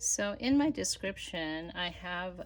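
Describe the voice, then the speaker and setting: A soft-spoken woman is heard on a very clean recording with a silent background. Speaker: crafting YouTuber. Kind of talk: casual crafting tutorial chat. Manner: quiet, soft-spoken; hesitant, many fillers.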